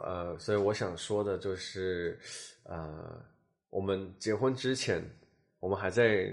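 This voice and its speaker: The speaker moves at a very slow pace with long, frequent pauses and ordinary pitch variation. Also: man, fairly low pitch for a man. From South Korea, partly raised in Beijing. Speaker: freelance designer and translator. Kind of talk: casual chat. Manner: hesitant, many fillers.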